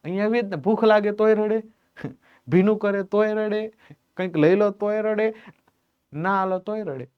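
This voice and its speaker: Man, teacher, high voice, lively lecture. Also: moderate pace, pauses often, clean tone, muffled recording. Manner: animated, acts out examples. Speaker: exam prep teacher. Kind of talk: classroom lecture.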